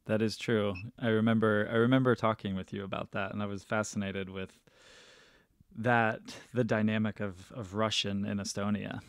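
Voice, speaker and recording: A man's voice: fairly low pitch, flat delivery, normal speed, no room sound, clean studio sound. A man hosting a podcast interview, chatty and enthusiastic, rambling with frequent restarts. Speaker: podcast host. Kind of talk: casual interview chat.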